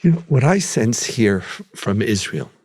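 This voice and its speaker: A man's voice: lowish voice, big pitch swings, moderate pace, a little mellow, husky, no echo. A man hosting a podcast discussion, talking earnestly and asking questions. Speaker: podcast host.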